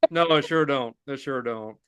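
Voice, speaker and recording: A man's voice: medium pitch, moderate pace, a bit bright, clean tone, no room sound. A man in his fifties hosting a podcast, chatting in an earnest, agreeable way. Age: 50s. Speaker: podcast host. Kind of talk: casual chat.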